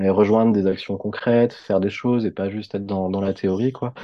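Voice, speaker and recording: A man talks very fast in a monotone, flat intonation. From France, Savoie. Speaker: popular education trainer. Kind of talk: interview conversation. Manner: hesitant with repetitions.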